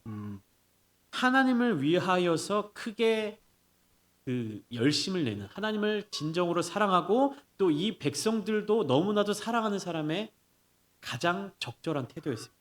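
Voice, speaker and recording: A man's voice: high-pitched, moderate pace. A man preaching a sermon as pastor, explaining the passage with rhetorical questions he answers himself. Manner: acts out scolding quotes in lively bursts.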